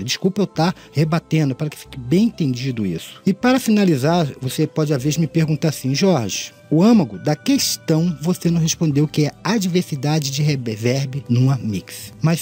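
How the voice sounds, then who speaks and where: A middle-aged Brazilian man hosting an audio mixing tutorial channel speaks in a slightly rough, warm voice on the high side. He teaches earnestly and informally, addresses his listeners formally, rephrases points often, and has a tongue-tied lisp with slushy s sounds.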